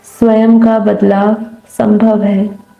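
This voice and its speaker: A woman guiding a meditation in a soothing, unhurried manner with long pauses. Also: mid-range voice, flat delivery, gravelly, phone-quality sound. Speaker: meditation guide. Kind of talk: guided meditation, slow calm instruction. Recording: roomy echo. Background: faint music.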